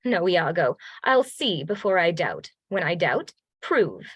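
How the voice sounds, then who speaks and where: A woman's voice: on the low side, very animated, unhurried, slightly rough, no echo, muffled recording, exaggerated voice. Woman as proud middle-aged general, jealous, earnest, Shakespeare read-along, dry sound. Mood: resolute.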